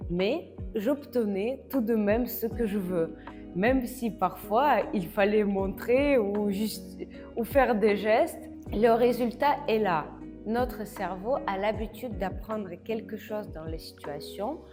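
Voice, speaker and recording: Slow-speaking woman with a slight Russian accent. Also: a little high. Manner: earnest, emphatic, repeats points for stress. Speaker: language-learning coach. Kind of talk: motivational advice talk to camera. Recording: long reverb, soft music behind.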